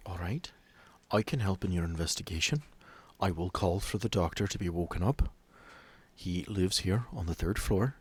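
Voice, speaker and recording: A man's voice: sits low, animated, normal speed, slightly rough. A man voicing a stern, protective female sanatorium caretaker in a tabletop game, speaking in a formal, wary way. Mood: guarded, reluctant.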